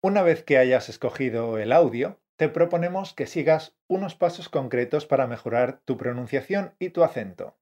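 A man co-hosting a scripted teaching podcast, brisk and coaching in tone. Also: medium pitch, lively intonation, a little mellow. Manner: brisk, coaching, calls listener "campeón" and "fiera". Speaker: podcast co-host, Spanish teacher.

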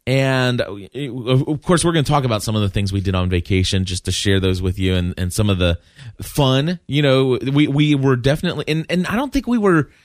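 Guy in his 30s cohosting a family podcast, animated and expressive, lots of laughing and restarts, dry close studio mic. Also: mid-range voice, fairly quick, no echo. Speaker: podcast co-host. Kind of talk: casual family podcast chat. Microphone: studio microphone.

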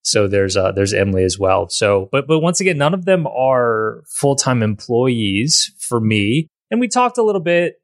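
A man's voice: medium pitch, lively intonation, moderate pace, few pauses, no echo, studio quality. A man hosting a podcast in casual conversation, rambling with frequent restarts and repeated words. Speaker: podcast host.

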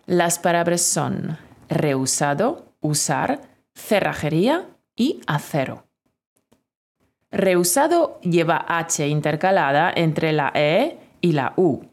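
Slow, lively-voiced woman teacher dictating. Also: sits low. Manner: clear, deliberate dictation. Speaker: Spanish teacher. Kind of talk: spelling dictation lesson.

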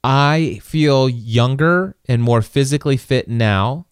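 A man in his forties with a smooth, clean voice, recorded close and dry. He chats casually as a podcast co-host, with a self-deprecating, joking way of talking. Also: mid-range voice, slow pace, no room sound. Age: 40s. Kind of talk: casual married-couple chat.

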